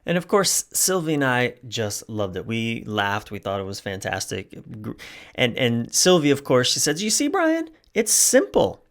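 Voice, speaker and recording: A man, a relationship coach and podcast host, telling a personal story in an earnest, self-deprecating, halting way. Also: mid-range voice, expressive, fairly bright tone. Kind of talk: casual storytelling monologue.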